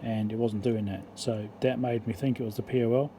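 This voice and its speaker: A man's voice: medium pitch, fairly even intonation, moderate pace, warm tone, a little hiss or hum. A man giving a casual technical explanation as a repair video host, rambling and matter-of-fact as he thinks aloud.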